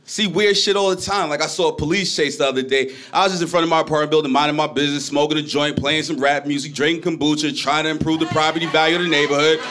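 A man's voice: on the high side, steady tone, fast, hardly any pauses, a bit bright. A man from Brooklyn doing a stand-up set in a casual, streetwise storytelling manner. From Brooklyn, New York. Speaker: stand-up comedian. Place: comedy loft before a live audience. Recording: live room with audible background noise.

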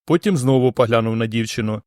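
A man narrating a science-fiction audiobook in a calm, even reading voice. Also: mid-range voice, fast, clean tone, dry recording, studio quality. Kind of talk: scripted narration.

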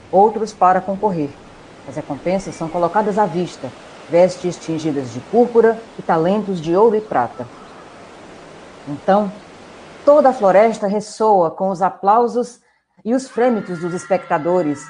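A woman's voice: lowish voice, mellow, a little hiss or hum, poor audio. A woman with a Brazilian accent, narrating a scripted tale in a theatrical, playful way.

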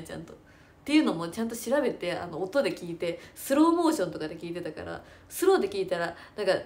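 A woman's voice: fairly low pitch, a little mellow. Chatty young woman, laughing often. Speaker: idol and stage actress. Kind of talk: casual chat.

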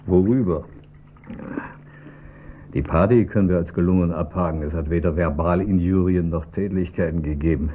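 A man's voice: low voice, moderate pace, long pauses, natural voice. An actor playing a self-satisfied wealthy pharmacist and businessman, jovial and chuckling, in a radio drama. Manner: jovial, chuckling, pleased with himself. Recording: dull lo-fi recording, faint hiss.

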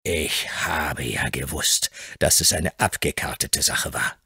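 A husky-voiced man voicing an older grocer who speaks in a gruff, plain-spoken way. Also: rumbling low, takes it slowly, pushed and bright, no room sound, studio quality, voice pushed down, exaggerated voice. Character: older male grocer, stolid and easily overwhelmed.

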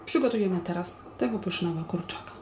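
Woman, 40s, cooking host; calm step-by-step explainer, recorded at a distance in an echoey home kitchen. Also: on the low side, fast talker, slight background noise. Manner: calm step-by-step explaining, addresses viewers politely. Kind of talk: recipe instructions. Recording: roomy kitchen echo, voice a bit distant.

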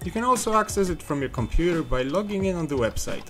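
A man's voice: on the high side, animated, quick pace, fairly bright tone, soft background music. A young man narrating a scripted, upbeat walkthrough of phone apps as the channel's reviewer. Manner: upbeat, clear product walkthrough. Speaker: app reviewer.

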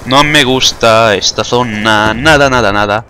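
A young man with a Spanish accent from Spain chats and jokes through his own gameplay in a bright, forceful voice. He keeps a loose, self-mocking running commentary into a close mic. Faint gunfire sounds from the game play behind him. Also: mid-range voice, unhurried, a little hiss or hum. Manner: chatty, joking, self-mocking. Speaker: gaming commentator.

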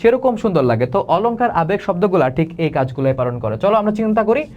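Young male tutor from Bangladesh, voice on the higher side, chatty online class delivery with acted-out examples. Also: very animated, quick pace, lo-fi sound. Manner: casual colloquial explaining, acts out example phrases. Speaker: teacher. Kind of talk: online exam-prep class.

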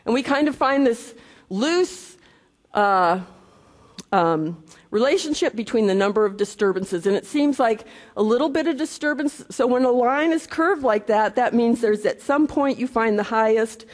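An American entomologist, a woman, gives a conversational lecture at a conference, often saying "okay," restarting, and making asides. Her voice is slightly high and animated at a moderate pace, and the hall is reverberant.

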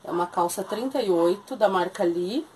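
A slightly mellow mid-range female voice at a moderate pace, with a little hiss or hum in the recording. She is a thirty-something thrift shop seller with a southern Brazilian Portuguese accent, chatting casually in a sales video as she shows and prices secondhand clothes in a small shop and keeps calling viewers "gente".

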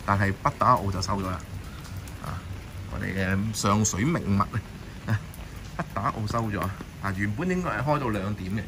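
A man's voice: lowish voice, moderate pace. A man with a Hong Kong Cantonese accent, live-streaming a walking tour on rainy night streets and chatting casually with viewers as he walks. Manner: chatty, talks to viewers and passers-by. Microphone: handheld phone camera. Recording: steady rain and passing traffic behind.

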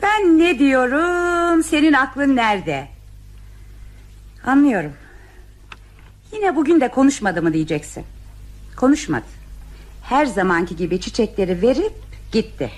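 An actress in an old radio drama, playing a firm but affectionate nurse who likes to tease. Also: female voice, high-pitched, sing-song, unhurried, pauses often, heavily acted. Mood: fond. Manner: firm and affectionate, fond of teasing. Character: teasing, motherly hospital nurse, adult woman.

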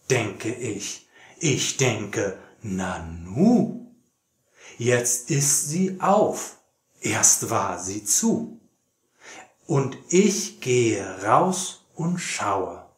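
A young man teaching German to learners, speaking slowly and deliberately with many fillers, recorded in a small plain room. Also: medium pitch. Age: young adult. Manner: very slow and deliberate, many fillers, animated reading. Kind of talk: slow, clear teaching for learners. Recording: roomy echoey room.

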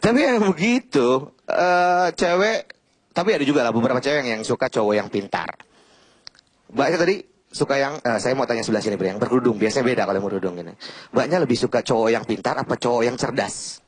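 A man's voice: mid-range voice, lively intonation, fast, slightly rough, no room sound. A man doing a stand-up comedy set, teasing the audience in slangy talk. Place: stage before a live studio audience.

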